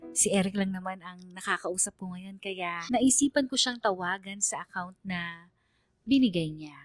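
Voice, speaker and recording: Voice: medium pitch, moderate pace, soft background music, close to an everyday voice. An actor playing a young gay male student who narrates his love story to a radio DJ in a playful, confiding way. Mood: hopeful. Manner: chatty, playful, self-flattering. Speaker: letter sender narrating to a radio DJ. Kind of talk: confessional first-person radio drama narration.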